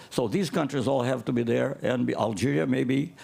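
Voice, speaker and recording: A man talks in a dark, mellow tone marked by vocal fry. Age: 80s+. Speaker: former minister, diplomat. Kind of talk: panel discussion. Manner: halting.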